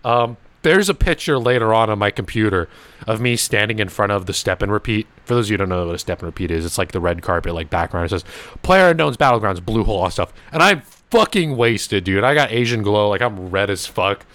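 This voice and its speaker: A man's voice: fairly low pitch, fairly quick, no echo. Swearing, laughing young man storyteller. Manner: swearing, laughing, animated anecdotes. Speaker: podcast host. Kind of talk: casual storytelling chat.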